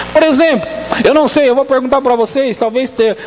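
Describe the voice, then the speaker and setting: Pitch variation in this voice is ordinary. Noticeable background noise can be heard. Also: man. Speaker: pastor. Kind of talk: sermon. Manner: slow.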